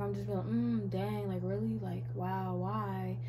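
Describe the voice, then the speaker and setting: A woman's voice moves through very wide pitch swings, with audible room echo and noticeable background noise. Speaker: vlogger. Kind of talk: casual chat. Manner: animated.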